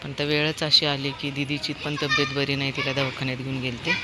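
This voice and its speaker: A woman's voice: a bass voice, level tone, brisk, heavy background noise. A middle-aged woman talking casually about her dog and coaxing him home, outdoors near her building. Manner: coaxing, scolding the dog in a raised sing-song voice. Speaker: dog owner.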